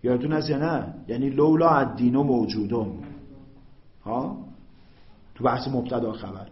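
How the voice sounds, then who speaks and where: A man teaching a grammar class, explaining slowly and quizzing his students with questions. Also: medium pitch. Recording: echoey room, dull lo-fi sound.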